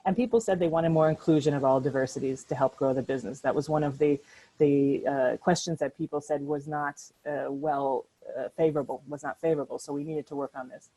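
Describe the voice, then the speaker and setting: A middle-aged American woman giving a conversational presentation over a video call from her apartment, often pausing with fillers and restarts. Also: low voice, fairly even intonation, dark tone, slightly rough, rough recording. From United States. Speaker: workshop speaker. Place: apartment at home.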